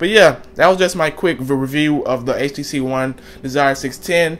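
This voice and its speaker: His voice sits fairly high in pitch for a man. The pitch moves up and down in an ordinary way. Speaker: tech reviewer. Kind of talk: product review. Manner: fast; casual, filler-heavy.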